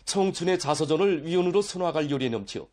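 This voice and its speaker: A man's voice: on the high side, lively intonation, quick pace, darkish tone. A man with a North Korean accent reading scripted news narration in a solemn, declamatory manner. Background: faint music.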